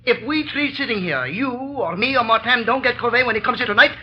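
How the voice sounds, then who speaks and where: A blustering old-time banker. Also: male voice, very high voice, expressive, fairly quick, husky, exaggerated voice. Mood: agitated. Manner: blustering, agitated. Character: blustering greedy middle-aged male banker. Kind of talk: 1930s radio drama acting. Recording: dull old radio broadcast.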